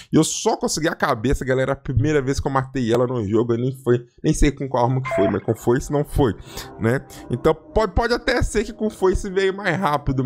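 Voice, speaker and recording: A young Brazilian man giving excitable, casual let's-play commentary, talking straight to his viewers and repeating phrases as he plays. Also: on the high side. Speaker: gaming YouTuber. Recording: game music playing behind.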